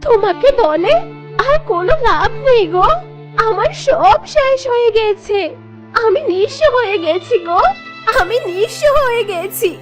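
A very shrill, crying cartoon bird. The little mother sounds helpless and distraught, with clearly audible music behind her. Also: animated, unhurried. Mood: sobbing despair. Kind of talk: children's cartoon voice acting.

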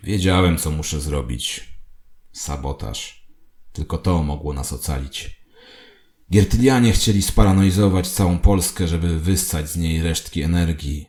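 A man's voice: low-pitched, measured pace, darkish tone. A man playing a paranoid, self-important conspiracy believer, telling his saga in a dramatic, confiding way as satirical audio drama narration. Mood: grave, resolute. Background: music.

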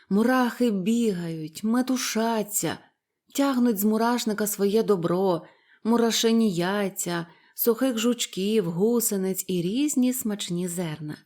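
A woman narrating a bedtime fairy tale in a calm, unhurried way. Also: mid-range voice.

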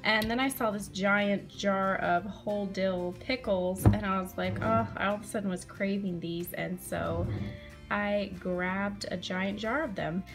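A woman's voice: mid-range voice, steady tone, measured pace, loud music behind the voice. A young woman chatting casually in her kitchen as a vlogger, upbeat and listing what she bought. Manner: chatty, upbeat, lists items with prices. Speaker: vlogger showing a grocery haul. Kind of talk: casual chat. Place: home kitchen.

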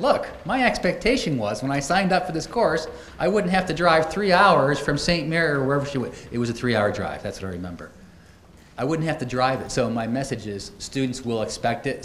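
A man's voice: medium pitch, fairly bright tone. Middle-aged guy giving a keynote, chatty stories, podium mic, echoey hall w/ faint hiss. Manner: conversational storytelling with asides. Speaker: keynote speaker. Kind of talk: conference keynote talk. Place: conference auditorium at a podium. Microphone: podium microphones. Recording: echoey auditorium, faint noise.

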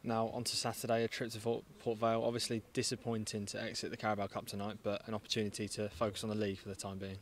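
A man working as a club media interviewer, asking brisk, direct post-match questions outdoors at a night stadium. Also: lowish voice, flat delivery, a little hiss or hum.

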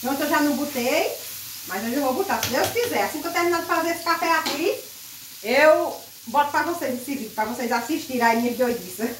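Chatty loud woman at the stove, real high lively voice, echoey kitchen, sizzling pan in the back. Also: a little fast, a little hiss or hum. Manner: loud, chatty, laughs often. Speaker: vlogger. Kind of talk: casual chat while cooking. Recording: echoey kitchen, mic set far off.

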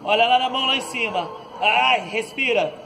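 Leading stretches outdoors, this Brazilian fitness instructor speaks at normal speed in a very high, gravelly voice with a Brazilian Portuguese accent, mixing calm breathing cues with light jokes for each pose. The large open court is noisy, background music plays, and a far camera on the ground records him.

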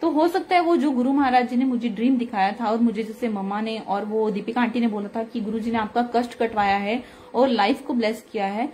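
A woman's voice: fairly high pitch, warm tone. Earnest woman telling a devotional story. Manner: earnest, chatty storytelling with many fillers. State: slightly hoarse throat. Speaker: satsang speaker. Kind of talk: devotional singing then testimony talk. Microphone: phone close to face.

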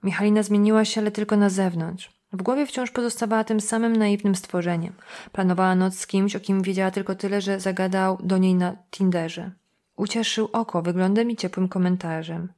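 A woman reads an audiobook aloud at a medium pitch, telling the story in an even, measured way from a script.

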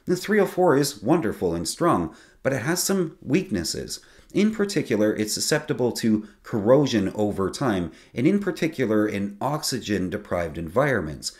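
In his forties, this sailing-channel host has a voice on the low side and keeps a moderate pace. Addressing the camera from a small home studio, he's lively and conversational, laying out the technical side of boats in plain terms.

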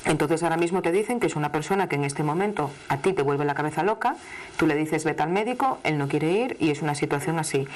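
In a television studio, seated at a desk with a studio microphone, a middle-aged woman from Asturias, Spain, reads tarot live to a caller in an emphatic, chatty, familiar manner. She has a deep voice, talks fast, carries an Asturian Spanish accent, and a little hiss or hum is audible.

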